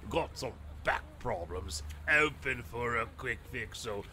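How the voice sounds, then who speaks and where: A man playing a gruff, impatient, rude shopkeeper in an audio drama, blustering and swearing. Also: mid-range voice, lively intonation, slow pace, sharp tone, a little hiss or hum, exaggerated voice. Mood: grumbling.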